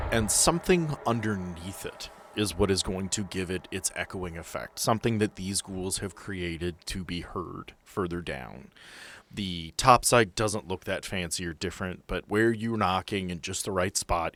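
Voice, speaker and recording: A man's voice: sits low, expressive, a little slow, fairly bright tone. A man working as game master, narrating a tabletop role-playing game in a descriptive, explanatory way with asides.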